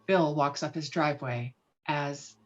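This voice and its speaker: Lowish-voiced woman narrating a script, slightly dull sound. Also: measured pace. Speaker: narrator reading stage directions. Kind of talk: scripted narration at table read.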